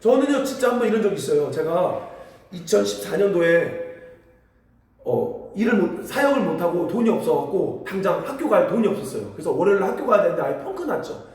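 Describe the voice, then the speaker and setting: A man's voice: sits high, brisk. A man preaching a sermon as pastor, telling stories and acting out voices as the congregation answers. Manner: animated storytelling, acts out voices. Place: church sanctuary. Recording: echoey church hall from far off.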